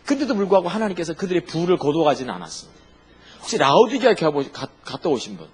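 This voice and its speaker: A man's voice: on the high side, very animated, quick pace, darkish tone, husky. A man preaching a sermon as a pastor, asking the congregation questions and answering them himself.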